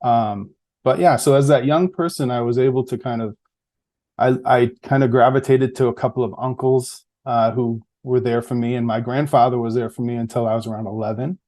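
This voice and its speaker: A man's voice: mid-range voice, fairly even intonation, fairly quick. Man with a central Massachusetts accent. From Massachusetts, USA. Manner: reflective, easygoing, with frequent fillers and soft laughs. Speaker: podcast guest, public health researcher. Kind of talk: casual interview conversation.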